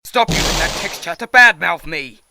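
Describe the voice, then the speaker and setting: A man's voice: sits high, expressive, moderate pace, creaky. A man in an English game fan dub playing a haughty, easily flustered young prosecutor in a formal, indignant, theatrical way. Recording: amateur dub under loud music.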